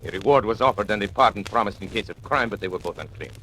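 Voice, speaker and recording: An actor playing a sinister agent who narrates and taunts powerful men in theatrical 1940s radio acting. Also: male voice, lowish voice, animated, fast, sharp tone, a little hiss or hum, low-quality recording. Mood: calm. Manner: menacing, mocking, theatrical. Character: sinister male confidential agent turned blackmailer.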